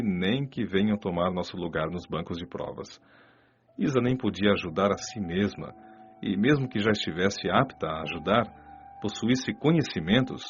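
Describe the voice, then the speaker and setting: A man playing a patient, earnest spirit mentor in a radio drama, speaking in a measured, didactic and gently admonishing way. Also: fairly low pitch. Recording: dull, muffled audio under clear music. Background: music.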